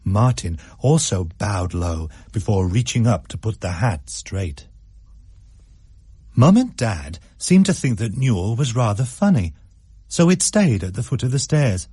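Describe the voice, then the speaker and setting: A male storyteller reading a suspense tale at a measured, unhurried pace. His voice is low and mellow with a husky grain, and the recording is close and dry with no room sound. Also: sing-song, no room sound. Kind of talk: scripted story narration.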